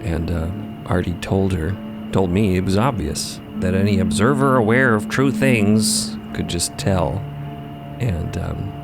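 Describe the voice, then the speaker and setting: A man voicing a wounded, earnest trans woman in a fiction podcast, halting and sighing as she confesses her self-doubt. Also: low voice. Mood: rueful, tender. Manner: halting, sighing, breaking into hushed near-whispers. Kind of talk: emotional dramatic monologue in a narrated fiction podcast. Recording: loud music bed.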